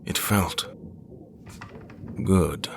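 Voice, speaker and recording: A man playing a grave, determined admiral in an audio horror drama, speaking in a measured, formal, solemn way. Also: low voice, vocal fry, noisy background, exaggerated voice. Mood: brooding. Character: Admiral Beckett, grave, determined father trapped in haunted manor. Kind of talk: audio horror drama, first-person narration.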